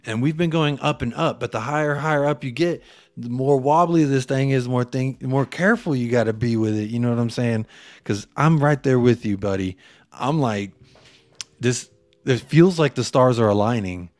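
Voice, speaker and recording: Male co-host, casual and excitable, talks in slang, close and dry. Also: medium pitch, moderate pace, no room sound. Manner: excitable, slangy, acts out quotes. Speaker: podcast co-host. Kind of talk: casual fan chat.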